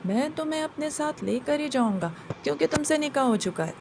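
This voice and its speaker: A woman's voice: sits high, lively intonation, brisk, vocal fry, background noise. A woman voicing a menacing male jinn that takes the form of a black cat, speaking in threats. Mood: threatening. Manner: threatening, possessive.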